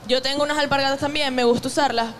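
A young woman from Venezuela with a Venezuelan accent, a guest musician talking in a relaxed, reflective way with many restarts. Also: sits high, fast talker. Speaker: guest musician, maraca player. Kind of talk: casual conversation.

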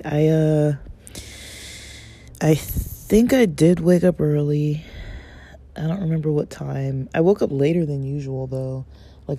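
A man hosting a casual morning podcast, raspy from just waking up, rambling with lots of fillers. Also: fairly high pitch, mellow, no room sound. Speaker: podcast host.

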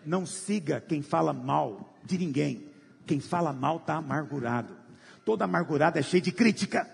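A man preaches with fierce passion, his voice pitched high, gravelly and rough-edged. He swings from loud cries down to low murmurs. The sound rings out in a reverberant hall. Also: lively intonation, moderate pace. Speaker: pastor. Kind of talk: sermon.

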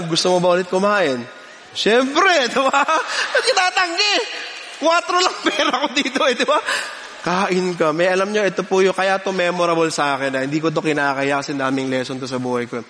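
Animated preacher in a reverberant hall. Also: male voice, sits high. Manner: animated storytelling with frequent laughs. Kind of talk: sermon.

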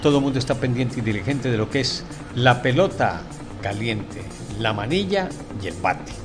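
A man's voice: medium pitch, animated, normal speed. A man presenting a sports radio segment, handing over with formal, friendly patter. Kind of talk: broadcast sports segment link. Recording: clear music bed underneath.

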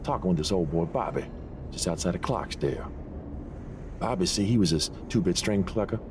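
A man's voice: deep voice, animated, fairly quick. A man playing a folksy storyteller with a Southern US accent, spinning spooky family tales in an audio drama. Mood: ominous storytelling. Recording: noisy, with outdoor-like ambience.

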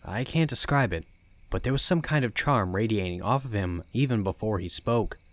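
A man narrating a first-person horror story as the podcast's narrator, in a calm, even telling. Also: fairly low pitch, normal speed.

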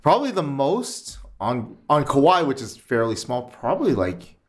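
A young man chats about gigging in a laid-back, rambling way. He restarts his sentences often and leans on fillers. His voice sits at an ordinary middle pitch. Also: very animated, unhurried. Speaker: musician. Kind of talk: casual chat.

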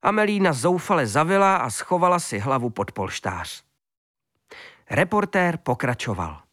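A man narrating a children's story in a lively, expressive way. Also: a little high, dry recording, clean studio sound.

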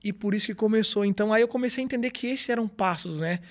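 High-pitched, fast-talking motivational man. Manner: earnest, motivational, explains in steps. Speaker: guest, motivational speaker. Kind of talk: podcast interview, casual conversation.

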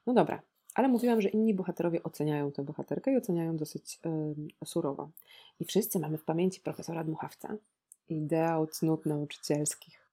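A woman's voice: low voice, brisk, warm tone, slightly rough. A woman in her thirties discussing a novel on a podcast, ironic and reflective, with frequent hesitations and rhetorical questions. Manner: asks listeners rhetorical questions.

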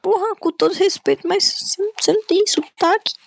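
A woman's voice: extremely high pitch, fast talker, no echo, studio quality. A woman chatting playfully on a casual group voice call. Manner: playful, teasing, sings snippets. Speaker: co-host.

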